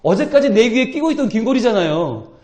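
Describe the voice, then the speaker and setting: A male pastor preaching at an early-morning church service, talking in a lively, colloquial way and playfully acting out scripture dialogue. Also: high voice, brisk. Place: church sanctuary. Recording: roomy church echo.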